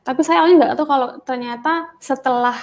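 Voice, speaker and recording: A woman's voice: sits high, fast. A young woman, telling a personal testimony in casual talk and acting out the voices in her story. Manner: animated, acts out the dialogue of her story. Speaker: guest giving a testimony.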